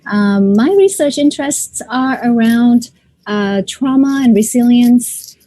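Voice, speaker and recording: A woman's voice: fairly high pitch, slow, dark tone. A woman clinical psychologist from Thailand introducing herself at an online seminar over a video call, friendly and using fillers. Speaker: clinical psychologist and faculty member.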